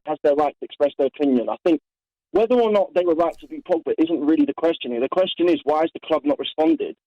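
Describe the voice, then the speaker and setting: A man's voice: fairly high pitch, expressive, quick pace, dry recording. A man calling a radio show to argue his opinion, insistent and questioning. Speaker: radio phone-in caller. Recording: narrow, dull phone line.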